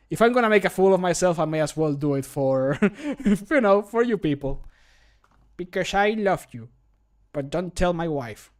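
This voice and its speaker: A man's voice: on the high side, a little mellow. A middle-aged man chatting casually on a live stream in a playful, joking, self-deprecating way. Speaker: streamer and Skyrim modder. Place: home room, indoors.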